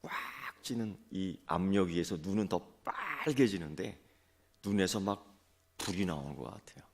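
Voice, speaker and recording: A male pastor preaching a sermon, telling a story in a lively way and acting out its voices. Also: low voice, moderate pace.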